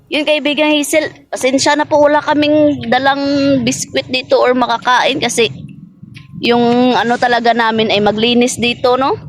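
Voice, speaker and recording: A woman's voice: sits high, level tone, normal speed, soft background music. A woman vlogging outdoors in a garden, chatting casually with an unseen spirit friend, passing on what it says and laughing often. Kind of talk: casual spoken vlog addressing an unseen spirit.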